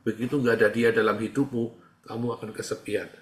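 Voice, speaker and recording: A man's voice: lowish voice, fairly even intonation, fast. A man speaking as a pastor, teaching in a casual, conversational way, repeating phrases and acting out quoted dialogue. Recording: roomy echo.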